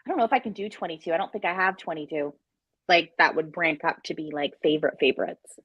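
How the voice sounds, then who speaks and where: A woman's voice: sits low, fast talker, fairly bright tone, slightly rough, no room sound, muffled recording. A woman co-hosting a casual book live show, chatting in an informal, effusive and emphatic way. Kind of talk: casual chat.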